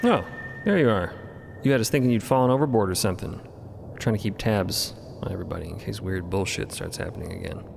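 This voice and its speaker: A man voicing a gruff, short-tempered woman on a ship's crew in audio fiction, with blunt, halting delivery. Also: low voice, lively intonation, noisy background, voice pushed down, heavily acted. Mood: brusque, annoyed.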